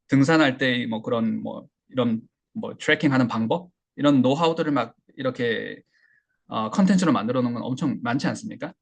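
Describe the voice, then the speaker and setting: Guy teaching an online class, kinda raspy husky voice, lots of uh's and restarts. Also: medium pitch. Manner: relaxed, explanatory, many fillers and restarts. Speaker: English listening instructor.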